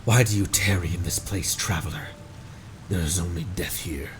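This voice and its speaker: A man voicing a gloomy, mournful spirit, speaking in a slow, solemn, hushed manner in a video game. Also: sits low, background noise, pitched below the performer's own voice, lightly acted. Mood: bleak, mournful.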